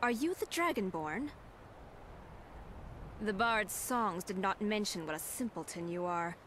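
A woman's voice: medium pitch, animated, a little slow, fairly bright tone, slight background noise. A woman playing a stern, condescending team leader in a fantasy video game, curt and disdainful. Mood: stern, scornful.

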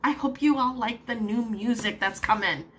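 A woman's voice: a little high, moderate pace, slight background noise. A woman vlogging casually from her home, rambling with lots of fillers and little laughs as she vents her frustration. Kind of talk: casual vlog chat.

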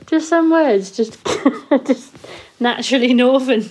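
A young woman with a fairly high voice and traces of a northern English accent. She talks at a slow pace in casual, sweary podcast banter. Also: darkish tone. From northern England. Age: young adult. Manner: giggly, sweary. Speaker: podcast co-host and amateur voice actor. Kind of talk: casual banter over bloopers.

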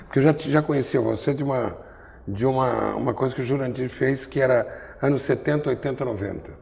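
A man's voice: mid-range voice, fairly quick, vocal fry, a little mellow, in a large hall. An older man from Brazil interviewing in an artist's studio on a lapel mic, telling wry, digressive stories. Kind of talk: rambling conversational interview.

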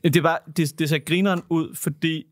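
A man co-hosting a podcast in casual chat, who mumbles a little and rushes his words. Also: fairly high pitch, fairly even intonation, no echo. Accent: Danish. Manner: mumbles and talks fast, words tumbling. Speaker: podcast co-host. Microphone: studio microphone.

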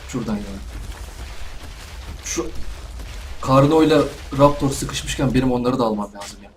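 Young male gamer, casual running commentary, mid-pitched, faint hum behind. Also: measured pace. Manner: chatty, talks to himself and the animals. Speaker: gaming YouTuber. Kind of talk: casual let's play commentary.

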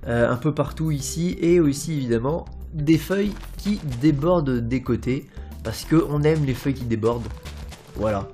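A man's voice: mid-range voice, moderate pace, warm tone. A young man narrates a Minecraft building tutorial in a casual, rambling, playful way, full of fillers and little "hop" sounds. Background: faint background music.

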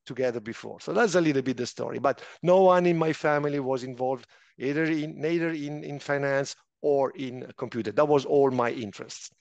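A middle-aged man from Italian-speaking Switzerland with an Italian accent, telling his career story in an interview in slightly imperfect, lively English. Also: medium pitch, fairly quick, gravelly, no room sound, dull audio. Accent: Swiss Italian. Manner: animated, slightly imperfect English, frequent restarts. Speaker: guest, finance official.

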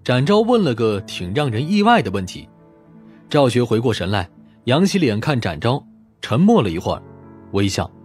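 A man's voice: medium pitch, sing-song, normal speed, darkish tone. A man narrating a scripted crime audiobook. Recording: music playing behind the voice. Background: background music.

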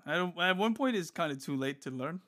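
Man on voice chat, somewhat high pitch, teasing, easygoing gaming banter. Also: animated, a little fast, fairly bright tone. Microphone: remote voice chat mic.

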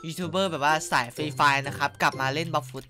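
Loud, swearing young gamer guy. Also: fairly high pitch, fairly even intonation, fast talker. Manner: loud, cursing, yelling at opponents. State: sore throat from shouting. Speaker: gaming YouTuber. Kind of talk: excitable gameplay commentary. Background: game music.

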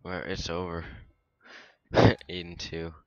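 A young man in casual gameplay commentary, talking in a monotone with mumbled asides, close to the mic. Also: deep voice, slow, dry recording, highs cut off. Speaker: gaming YouTuber.

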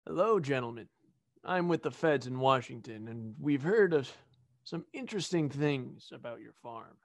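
A man's voice: medium pitch, animated, normal speed, no echo, studio quality, lightly acted. A man playing an officious, probing federal agent in an amateur audio drama.

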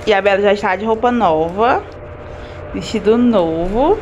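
A woman in her 20s from Fortaleza, Brazil, chats casually on a handheld phone camera while unpacking groceries in her home kitchen, listing the items as she goes. She's a family vlogger with a medium-pitched, darkish voice at normal speed, and the audio sounds dull, with a washing machine making noise in the house.

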